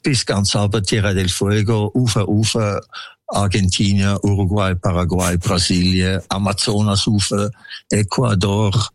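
A man in his seventies with a Swiss German accent, an emigrant telling his life story in a relaxed radio interview and rambling through long lists of places. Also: fairly low pitch, measured pace, dry recording, clean studio sound. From Switzerland. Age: 70s.

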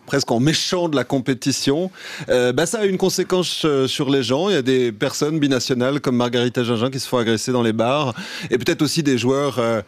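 A man's voice: mid-range voice, no echo. A man hosting a radio debate, asking probing questions with frequent restarts. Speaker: radio show host.

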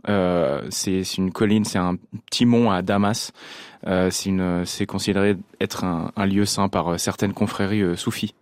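A man's voice: low voice, steady tone, normal speed, no echo, clean studio sound. A French-born man, a jazz musician, answering interview questions thoughtfully with many hesitations. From France.

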